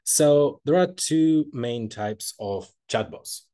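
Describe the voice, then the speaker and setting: A young man from Kazakhstan giving an academic webinar presentation over a video call, pausing often with ums and uhs. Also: medium pitch, animated, warm tone. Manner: hesitant, frequent ums and uhs. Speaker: webinar presenter, postdoctoral researcher. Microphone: laptop mic on video call.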